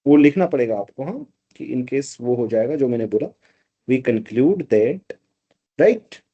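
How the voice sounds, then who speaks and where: A man's voice: medium pitch, very animated, moderate pace, dark tone, lo-fi sound. A man teaching a live online math class, explaining step by step and often checking that students follow. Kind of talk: live online math lecture, Hindi-English mix.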